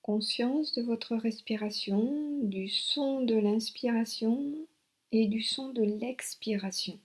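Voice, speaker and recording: A woman guiding a yoga relaxation meditation as an instructor, giving soothing, unhurried instructions with long pauses. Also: on the high side. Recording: soft new-age music behind. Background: new-age relaxation music.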